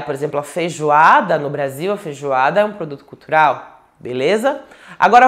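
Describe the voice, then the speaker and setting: A man's voice: sits high, a bit bright. Man with a Manaus accent, tarot teacher, casual home lecture, chatty, digressive, tag questions. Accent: Manaus Portuguese. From Manaus, Brazil. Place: home, indoors.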